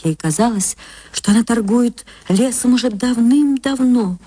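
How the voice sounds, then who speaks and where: A woman narrating an old radio play with an emotional manner and sweeping pitch swings. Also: unhurried, mellow, slightly rough, no room sound.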